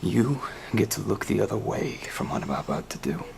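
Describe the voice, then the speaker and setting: A man playing a grieving, brooding asylum director in a fan web drama, speaking in a halting, deliberate way. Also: sits low, steady tone, fairly bright tone. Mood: cold, menacing. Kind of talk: acted dramatic monologue in a fan web series. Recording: clearly noisy amateur recording with ambience.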